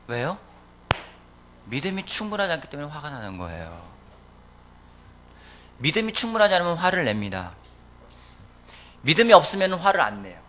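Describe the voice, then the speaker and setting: Questioning man preaching, lively pitch. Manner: asks the congregation questions and answers them. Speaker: pastor. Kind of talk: sermon. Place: church sanctuary.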